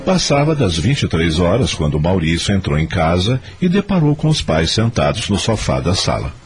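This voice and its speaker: A man's voice: sits low, sing-song, normal speed. A man acting as the grave storyteller of a moral radio drama, narrating from a script with a Brazilian accent.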